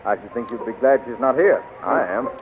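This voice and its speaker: An actor playing a confident, reassuring young Earthman hero in a 1930s radio serial, steady and gallant, on a tinny old recording. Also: medium pitch, brisk, slight background noise, lightly acted. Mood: steady, determined.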